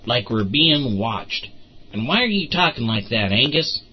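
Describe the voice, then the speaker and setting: A man's voice: mid-range voice, sing-song, brisk, a little hiss or hum, lightly acted. A man playing a bossy folksy sergeant. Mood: gruff. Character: gruff folksy trooper sergeant, impatient. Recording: muffled lo-fi recording.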